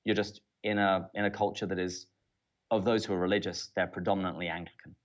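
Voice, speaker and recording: A man's voice: low-pitched, flat delivery, fast talker. A man from southern England with a British, Southern English accent, talking casually and with dry understatement as an interview guest. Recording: dull, lo-fi audio.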